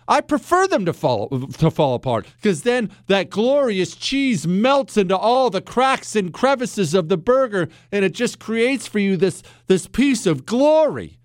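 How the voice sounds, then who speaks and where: Lively, sarcastic talk show host man. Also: high-pitched, no room sound, studio quality. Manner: mocking, self-admiring, jokey. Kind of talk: sarcastic monologue.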